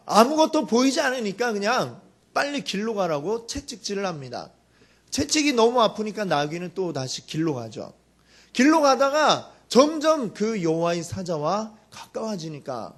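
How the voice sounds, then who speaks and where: A male pastor delivers a storytelling sermon, animated and dramatic, asking rhetorical questions of the congregation. His voice sits high and moves through a wide, lively range.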